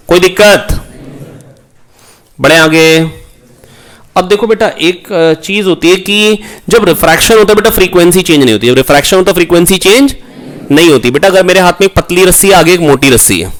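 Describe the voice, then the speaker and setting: A man teaching a physics revision class online, coaxing his students, repeating key points and firing quick questions at them. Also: sits high, a bit bright. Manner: asks rhetorical questions, prompts answers. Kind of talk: online exam-prep lecture.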